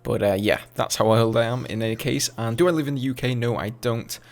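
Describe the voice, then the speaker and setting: A man in his twenties with an English accent, casually answering viewer questions over gameplay footage in a relaxed, chatty way. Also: medium pitch, brisk. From England. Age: 20s. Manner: chatty, relaxed, with fillers and asides. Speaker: gaming YouTuber.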